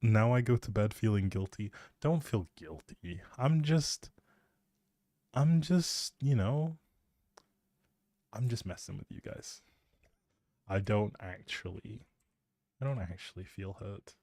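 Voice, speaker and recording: A man's voice: on the low side, expressive, slow pace, long pauses, dark tone, no echo, clean studio sound. A man chatting casually as a live streamer, playful and teasing as he thinks aloud while commenting on a game.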